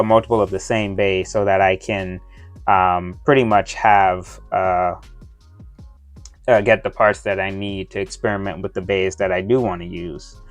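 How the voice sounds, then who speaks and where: A man wearing dental retainers that give him a slight lisp, chatting casually through an unboxing review in a halting, rambling way. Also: deep voice, smooth, no echo. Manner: halting, rambling, often losing his thread. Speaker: toy review vlogger. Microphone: close microphone within his reach.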